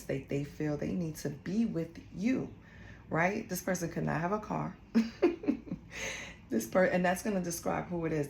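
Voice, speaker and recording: Gravelly low-voiced woman reading tarot. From Costa Rica. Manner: blunt and chatty, swears freely. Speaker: tarot reader. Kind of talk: casual tarot reading to camera. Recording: echoey room with steady background noise.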